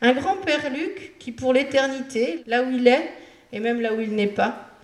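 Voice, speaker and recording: A woman speaks at a fairly slow pace with a high pitch and ordinary pitch variation. There is noticeable background noise. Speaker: widow. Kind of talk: reading aloud a letter.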